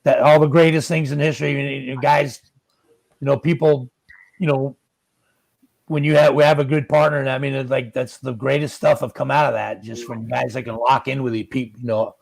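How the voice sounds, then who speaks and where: A man's voice: mid-range voice, little pitch movement, fairly quick, gravelly, no echo, low-quality recording. A man in his fifties or older chatting casually as a musician guest, acting out bits of dialogue. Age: 50s or older. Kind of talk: casual chat.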